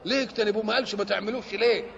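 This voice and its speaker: A man's voice: high-pitched, steady tone, very fast, vocal fry, noisy background. A man with an Egyptian Arabic accent giving a sermon that explains scripture, often asking a question and then answering it himself. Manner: asks rhetorical questions and answers them himself. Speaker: religious lecturer. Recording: dull lo-fi recording with long hall reverb.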